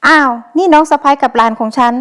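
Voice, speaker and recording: A woman voicing a gruff, menacing ex-convict brother. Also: high-pitched, fast talker, fairly bright tone, voice pushed up. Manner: blunt, coarse and menacing. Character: gruff older brother, just out of prison. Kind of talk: audiobook character voice.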